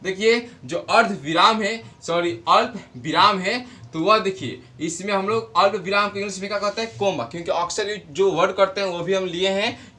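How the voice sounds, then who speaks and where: A man with a rather high voice gives a grammar lesson. He talks in a classroom style, slowing down to repeat short example phrases for his students. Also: sharp tone. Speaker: teacher. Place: home in a village, wedding noise nearby.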